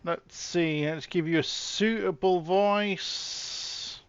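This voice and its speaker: Chatty male streamer, smooth clear voice. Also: high-pitched, steady tone, drawn-out words, dry recording, lo-fi sound. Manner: chatty, talks to chat while customizing soldiers, trails off and restarts. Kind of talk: casual live-stream chat.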